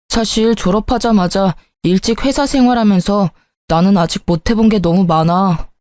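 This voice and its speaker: A woman's voice: medium pitch, no room sound, clean studio sound, close to an everyday voice. A woman voicing a young husband who is irritable and defensive in a spoken story. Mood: apologetic. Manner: sulky, sharp-tongued, pleading at times. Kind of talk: storytelling with dialogue.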